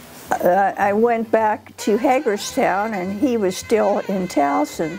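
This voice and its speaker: With faint music in the background, a woman with an American accent speaks very slowly at a fairly high pitch. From Ohio, USA. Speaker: retired FBI clerk. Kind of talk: interview answer. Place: home room. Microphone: lapel.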